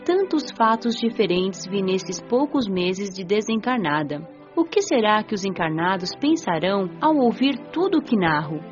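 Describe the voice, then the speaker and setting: Lively, curious young spirit played by a woman. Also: mid-range voice, normal speed, hardly any pauses, lightly acted. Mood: wondering. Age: young adult. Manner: expressive, earnest storytelling. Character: eager, curious young female spirit narrating her afterlife. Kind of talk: scripted first-person audiobook narration. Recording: dull lo-fi audio over music.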